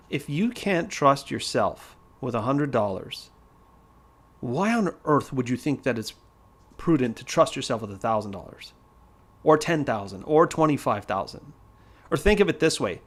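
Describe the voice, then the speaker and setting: Man, trading educator, casual livestream lesson, blunt, emphatic, repetitive, mid pitch. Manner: blunt, emphatic, repeats key points.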